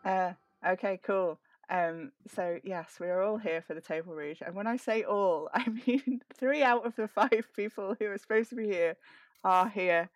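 A woman's voice: medium pitch, normal speed, no echo. A woman chatting casually and wryly as she hosts a group session. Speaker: host organising an audio drama table read. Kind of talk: casual chat.

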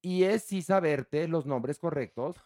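A man's voice: a little high, measured pace, dark tone. A man hosting an entertainment podcast, teasing and opinionated. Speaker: podcast host. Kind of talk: casual chat.

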